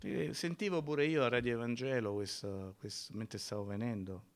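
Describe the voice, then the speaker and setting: A male pastor preaching a sermon in a church, emphatic, swinging from loud cries to near whispers. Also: medium pitch, fairly even intonation, normal speed.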